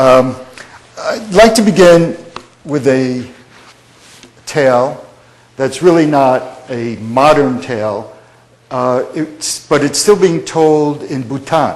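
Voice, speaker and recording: Amid noticeable background noise and audible room echo, a man with a fairly high pitch and lively intonation speaks at a very slow pace with long, frequent pauses. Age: old. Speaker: professor. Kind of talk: lecture. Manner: halting.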